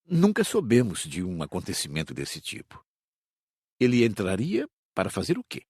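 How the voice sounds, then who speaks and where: A man reading an audiobook in a measured, expressive way. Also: on the low side, husky, dry recording, clean studio sound. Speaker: audiobook narrator.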